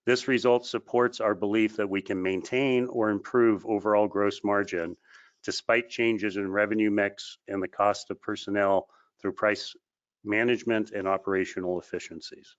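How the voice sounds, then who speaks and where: A man reading a scripted financial results presentation in a formal, measured way, as a company executive on a conference call. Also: fairly low pitch, steady tone. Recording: dull, lo-fi conference call audio.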